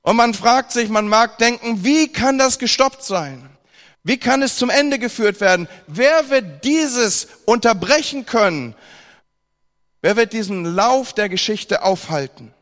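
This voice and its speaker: A high-pitched man preaches to a seated congregation, with his voice ringing through a hall with long reverb. He is from northern Germany and mixes scripture reading with wry, joking retellings. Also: a little slow. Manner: lively, humorous retelling with mock dialogue.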